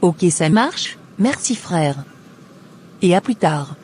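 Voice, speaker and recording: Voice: medium pitch, animated, slow pace, darkish tone, a little hiss or hum. A voice actor playing a remorseful unfaithful woman in a Christian cartoon, who speaks in a pleading, contrite way.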